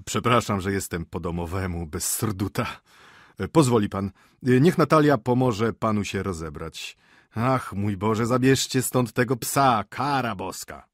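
A man voicing an excitable, flustered middle-aged father in an audiobook, with fussy exclamations. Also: fairly low pitch, unhurried, dry recording, studio quality. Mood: effusive.

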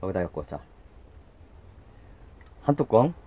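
Low-voiced man muttering through a gardening demo. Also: big pitch swings, slow, slightly rough, dull audio. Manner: talks while working, repeats short words, mutters asides. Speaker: gardening channel host. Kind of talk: casual hands-on gardening demonstration. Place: outdoors by a house.

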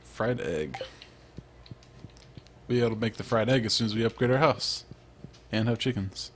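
A man's voice: lowish voice, normal speed. A young man giving casual, rambling, self-mocking commentary as he plays a farming video game. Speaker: let's play host.

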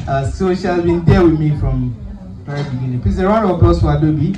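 A man hosting a live event, introducing the next performer on a handheld mic in an informal, lively way. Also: fairly high pitch, fairly quick, background noise. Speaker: event host. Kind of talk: MC introducing acts. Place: small lounge venue, indoors. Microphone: handheld mic, filmed by phone from the audience. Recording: roomy, distant, loud music behind.

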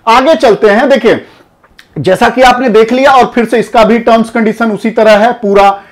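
Man, 30s, lively explainer, lapel mic, indoor studio, talks straight to viewers. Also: very high-pitched, moderate pace. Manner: energetic, gestures broadly, addresses viewers directly. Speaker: customs auction consultant and channel host. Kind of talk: explainer to camera in front of a screen. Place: indoor studio before a projected screen.

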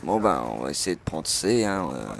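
A man hosting a gaming channel, giving live commentary on his own match with frequent excited outbursts and swearing. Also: sits low, moderate pace, gravelly, noisy background.

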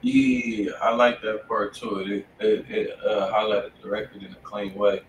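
An American man co-hosts a live music review in casual, profane slang. His voice is low and quite monotone. The sound is roomy and noisy, picked up away from the mic. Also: a little slow, distant mic. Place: indoor room, live stream.

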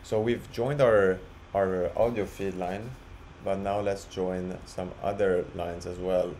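Man, lowish voice, very unhurried, casual tutorial presenter, halting step-by-step explanations. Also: steady tone, darkish tone. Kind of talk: casual screen-share walkthrough. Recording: clearly audible background noise.

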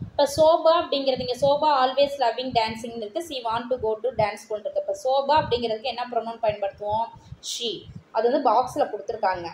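A woman teacher with a Tamil accent goes through textbook answers, reading English sentences slowly and deliberately. Her voice sits a little high. The room is echoey, with a faint hiss underneath. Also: a little mellow. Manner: mixes Tamil with English terms, reads English sentences slowly word by word.

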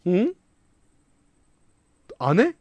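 A man with a very high, lively voice, recorded close and dry with no room sound. He streams a game, talking casually and excitably, swinging from quiet mumbling to loud shouts and laughter. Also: drawn-out words, no room sound. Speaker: gaming streamer.

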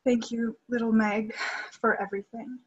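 A secretive, fearful young opera singer, played by a woman in a staged reading. Her voice sits a little high with a breathy roughness. The delivery is emotional and theatrical. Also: flat delivery, normal speed, muffled recording. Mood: scared, tender. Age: young adult. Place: room at home. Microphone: computer mic on video call.

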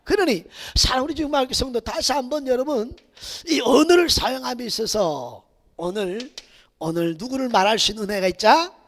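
A man preaching a Sunday sermon as pastor, swinging between shouted exhortation and hushed near-whispers. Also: very high voice, a little fast. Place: church sanctuary. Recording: reverberant church hall.

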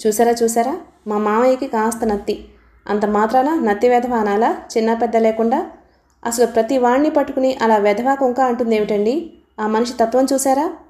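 A bitter, indignant husband, sarcastic and quick to anger, read by a woman narrator. The voice sits fairly high and sounds mellow, with a roomy echo around it. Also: fairly even intonation, natural voice. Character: angry, bitter man, a wronged husband.

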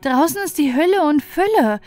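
A woman voicing a kind, gentle young girl in a fairy tale. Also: high voice, lively intonation, normal speed, pitched above the performer's own voice. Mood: caring. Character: kind, obedient young girl caring for animals.

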